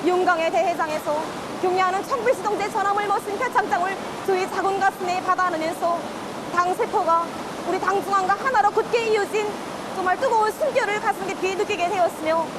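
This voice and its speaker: Very high-pitched North Korean-accented woman. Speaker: worker and party cell secretary interviewee. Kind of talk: rehearsed TV interview statement. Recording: loud rushing background noise.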